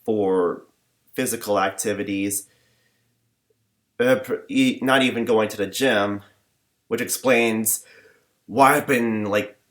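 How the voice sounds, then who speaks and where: A young man rambling in a personal vlog, talking in a flat monotone with many fillers and false starts. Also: lowish voice, takes it slowly, pauses often. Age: young adult. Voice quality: limited, flat range. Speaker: vlogger.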